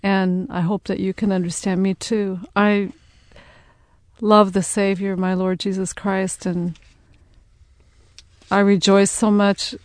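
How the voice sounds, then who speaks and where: Gentle devout American woman. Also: mid-range voice, flat delivery, takes it slowly, long pauses, no echo. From United States. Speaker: speaker's wife. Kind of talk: personal testimony, Bible reading.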